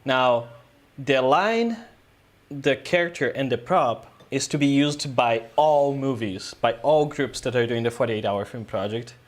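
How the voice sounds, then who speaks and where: A man's voice: mid-range voice, animated, unhurried. A man, a guest filmmaker telling a story in a casual interview, rambling loosely with lots of "uh" and "um". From Brazil.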